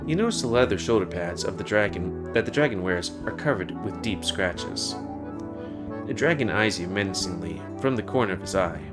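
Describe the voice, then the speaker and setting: Low-voiced man reading a game aloud. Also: animated, normal speed. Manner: casual, joking asides. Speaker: gamer. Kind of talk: let's play, reading game text aloud. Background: game music.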